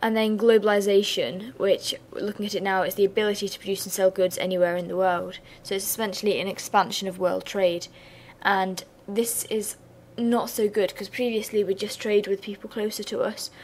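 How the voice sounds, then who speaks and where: Hoarse young woman teaching economics. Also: medium pitch, flat delivery, moderate pace, slight background noise. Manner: chatty, explains with asides. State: hoarse, losing her voice. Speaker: student revision tutor. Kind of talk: casual revision lesson.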